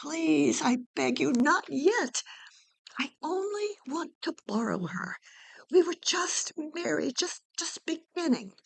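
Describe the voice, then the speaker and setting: An earnest young lover , played by a woman in a stage drama. He pleads haltingly, in a voice pushed high and swinging widely in pitch. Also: animated, gravelly, full character voice, low-quality recording. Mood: desperate. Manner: halting, imploring. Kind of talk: dramatic play reading.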